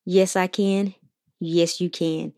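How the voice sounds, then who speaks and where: A woman hosting a Christian motivational podcast, reading scripture and encouraging listeners in an earnest, steady way. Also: lowish voice, takes it slowly, no echo, studio quality. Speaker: podcast host.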